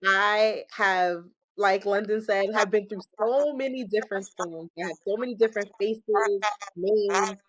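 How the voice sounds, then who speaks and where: A woman guest giving an animated, emphatic faith testimony, exhorting listeners and laughing often. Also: mid-range voice, unhurried, dry recording, rough recording. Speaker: podcast guest. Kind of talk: casual testimony-style faith talk.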